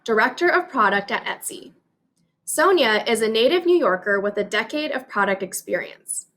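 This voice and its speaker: A woman's voice: a little high, fairly bright tone. A woman hosting a conference stage, reading upbeat, formal introductions from a script. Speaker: conference host.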